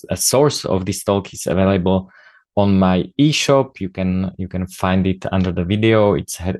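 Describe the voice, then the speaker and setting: A deep-voiced man speaking English with a Slovak accent, Slovak being his native tongue. He talks in a halting, earnest way, stopping often mid-thought. His voice is smooth and sits close and dry on the mic. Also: darkish tone, no echo. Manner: halting, many pauses, earnest and opinionated. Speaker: podcast host and presenter. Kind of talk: informal spoken presentation.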